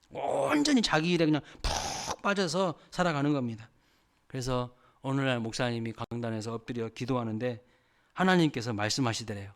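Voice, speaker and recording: A man's voice: medium pitch, a bit bright. A male pastor giving a sermon, telling a story and asking the congregation questions.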